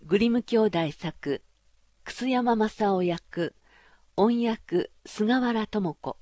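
A woman narrates an old fairy tale in a calm, measured voice with a gentle, formal manner. Her pitch sits in a middle range, and the recording is dry and close with no room echo. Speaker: audiobook narrator.

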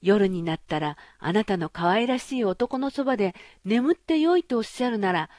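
A woman's voice: medium pitch, expressive, moderate pace, dry recording, studio quality, lightly acted. A woman doing a polite, coaxing fairy-tale frog. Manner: soft, smooth, courteous.

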